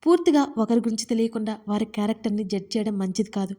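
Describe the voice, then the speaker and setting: A woman narrating her own first-person audio story in an expressive, conversational way. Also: medium pitch, fast. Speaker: writer and narrator.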